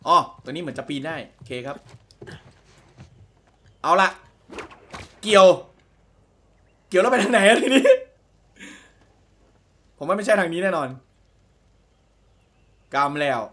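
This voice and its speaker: Brief: male let's-play commentator, high and bouncy, excitable, explains everything as he plays. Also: unhurried, long pauses. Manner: excitable, translates and explains game dialogue aloud. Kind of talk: casual gameplay commentary.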